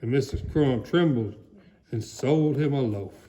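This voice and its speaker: A man voicing a folksy, excitable country alligator, giving a theatrical comic storybook reading. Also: mid-range voice, unhurried, slightly rough. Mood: hammy, excited. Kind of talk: dramatic storybook reading, played for comedy.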